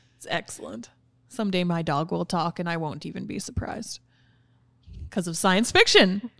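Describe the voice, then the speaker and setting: A woman speaks at a fairly low pitch with vocal fry and ordinary pitch variation. Her pace is moderate, her loudness swings widely, and she takes long, frequent pauses. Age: 30s. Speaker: podcast co-host. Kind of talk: casual chat.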